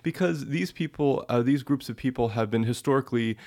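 A man's voice: mid-range voice, fairly quick, darkish tone. A man being interviewed as a researcher, explaining ideas patiently with simple everyday examples and often checking in with "right?". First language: English. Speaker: guest researcher.

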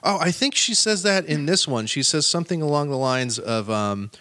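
A man's voice: on the high side, expressive, normal speed, sharp tone, no room sound. A man co-hosting a podcast, chatting and rambling casually about comics. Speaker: podcast co-host. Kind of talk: casual comic book discussion.

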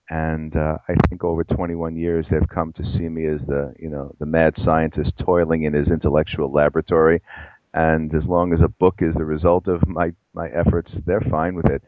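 Middle-aged male guest, very deep voice, wry and self-mocking, frequent restarts. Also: no room sound, phone-quality sound. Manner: self-deprecating, discursive with many restarts. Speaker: guest psychologist and professor. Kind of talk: conversational interview answers.

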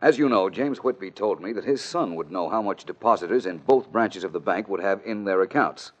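An actor playing a confident, clever male detective who reasons things through crisply, in 1940s radio acting. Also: lowish voice, animated, a little fast. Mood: explaining. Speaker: amateur detective. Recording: dull old radio broadcast.

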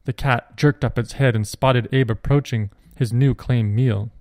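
Male storyteller, mid-pitched, steady clear reading, dry close sound. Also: a little slow, no room sound. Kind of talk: reading a Christian children's story aloud.

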